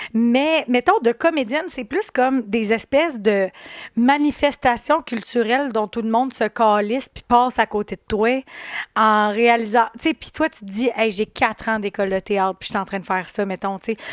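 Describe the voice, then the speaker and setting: In a very clean recording with a silent background and a dry, close sound with no echo, a woman with a Quebec accent speaks at a fairly high pitch, using ordinary pitch variation and big swings in loudness. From Quebec, Terrebonne. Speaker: actress. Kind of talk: casual chat. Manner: fast.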